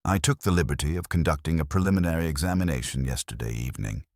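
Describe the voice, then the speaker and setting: A man voicing a careful small-town jeweler in a mystery story, speaking formally and with deliberate precision. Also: a bass voice, no echo, studio quality. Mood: careful, concerned.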